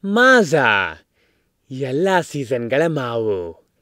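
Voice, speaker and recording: Animated male commercial voice-over, very dry sound. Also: mid-range voice, extremely slow, no echo. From India. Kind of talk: scripted advertisement voice-over.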